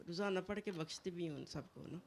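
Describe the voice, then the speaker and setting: A woman calling in for spiritual advice, answering softly, mostly with brief affirmations. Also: on the low side, brisk, a little hiss or hum. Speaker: caller seeking advice.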